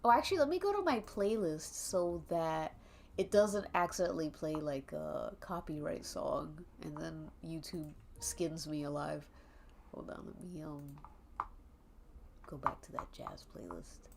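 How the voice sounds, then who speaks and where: A woman's voice: low voice, measured pace, creaky, slight background noise. A young woman with a congested, stuffy nose, chatting casually and rambling to her chat while she draws, laughing often. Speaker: art streamer. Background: faint calming jazz music.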